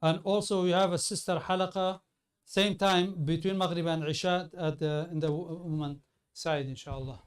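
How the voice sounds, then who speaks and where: A man with a high, strikingly clear voice makes informal announcements at a mosque. He talks rapidly and mixes English with Arabic phrases. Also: steady tone. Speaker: mosque leader making announcements.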